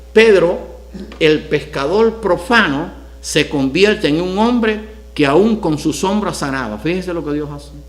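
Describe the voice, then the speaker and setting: A man's high voice with lively intonation, amid noticeable background noise and audible room echo. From Cuba. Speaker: pastor. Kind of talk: bible study sermon. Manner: fast.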